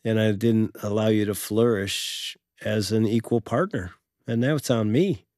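A man's voice: on the low side, measured pace, darkish tone, no echo, studio quality. A middle-aged man co-hosting a conversation, talking earnestly and reflectively. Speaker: podcast co-host. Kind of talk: casual conversation about faith and marriage.

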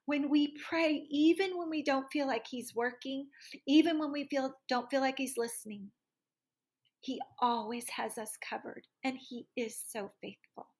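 Middle-aged woman guest, husky and a little high, earnest soft testimony. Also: fairly even intonation. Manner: earnest, slow and soft, reading a prayer aloud. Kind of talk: personal testimony in a podcast interview.

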